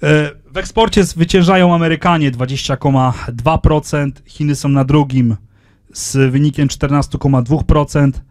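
Man lecturing with a hesitant, measured delivery. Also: fairly high pitch, steady tone, darkish tone, no room sound, clean studio sound. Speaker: conference speaker. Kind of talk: academic conference lecture. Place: lecture room, indoors. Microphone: handheld microphone.

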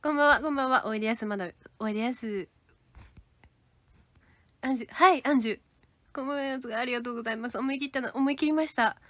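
A woman's voice: sits high, fast talker, long pauses, a bit bright, no echo. Chatty young Kansai woman, dry close sound. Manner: chatty, giggly, reacts to comments. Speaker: idol livestreaming to fans. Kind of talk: casual livestream chat reading comments.

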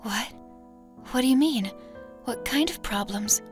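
A woman's voice: on the high side, a little slow, music in the background, close to an everyday voice. An actress playing a troubled, wistful young female student in an audio drama, earnest and hesitant. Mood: concerned. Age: young adult.

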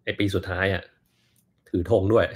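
A man in his thirties hosting a casual livestream Q&A, reading viewer comments and answering in a relaxed, chatty way full of fillers. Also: moderate pace. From Thailand. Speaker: doctor and livestream host.

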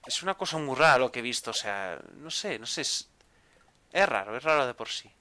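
Lively chatty man gaming. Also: mid-range voice, brisk. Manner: chatty, exclaiming, repeats words when stuck. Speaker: gameplay video host. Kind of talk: casual gameplay commentary.

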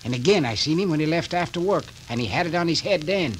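An actor playing a stubborn, gruff country mayor in an old radio drama, speaking bluntly in plain rural talk. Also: male voice, on the high side, lively intonation, fast talker, lightly acted, poor audio. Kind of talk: 1940s radio acting. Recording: old radio recording with hiss.

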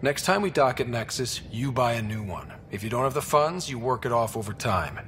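A man playing a young space explorer commander in a video game, steady, casual and direct. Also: mid-range voice, a little fast, soft background music, natural voice. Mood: firm. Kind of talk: video game cinematic acting.

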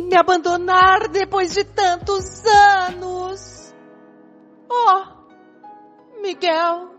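A woman's voice: very high voice, a bit bright, exaggerated voice. An older woman playing a melodramatic, heartbroken abandoned wife in an amateur radio soap. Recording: dull lo-fi recording.

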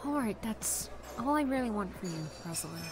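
A woman's voice: a little high, a little fast, over music. A woman playing a chatty young influencer. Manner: teasing, protective, lively. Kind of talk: audio drama acting.

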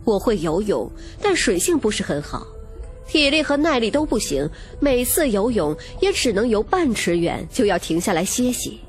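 A woman's voice: mid-range voice, sing-song, moderate pace. A woman reading a romance novel as dramatic, scripted first-person narration. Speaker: audiobook narrator. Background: music.

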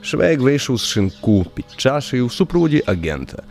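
A man's voice: mid-range voice, very animated, normal speed, vocal fry, a little mellow. A man narrating a radio play as a scripted, wry literary story. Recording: music under the voice.

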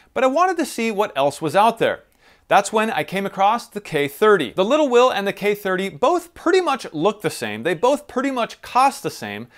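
A man's voice: high voice, no echo, studio quality. A man in his forties hosting a casual product-test vlog, talking to camera on a lapel mic. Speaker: host. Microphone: lavalier clipped to shirt.

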